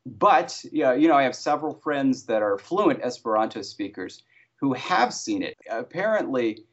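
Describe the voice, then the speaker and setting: A man as an interview guest, talking in a relaxed, chatty way with wry jokes. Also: mid-range voice, moderate pace. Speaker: interview guest, language creator. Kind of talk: casual interview conversation. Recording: slightly dull lo-fi audio.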